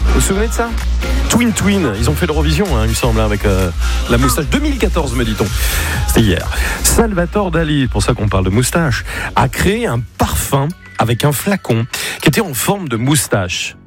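A man's voice: medium pitch, sing-song, fairly quick, over music. A man hosting a radio game, playful and teasing as he introduces guests and asks questions.

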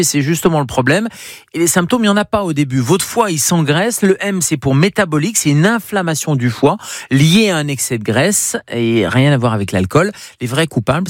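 A man's voice: on the high side, dry recording, clean studio sound. A man, a doctor, giving a radio health segment in an upbeat, teaching manner. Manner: didactic, upbeat, lists advice.

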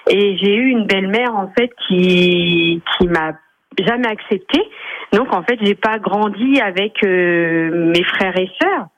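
A woman's voice: medium pitch, takes it slowly, dry recording. Hesitant woman calling in by phone. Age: 40s. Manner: hesitant, many fillers. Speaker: caller. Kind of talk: personal testimony on radio. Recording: phone line.

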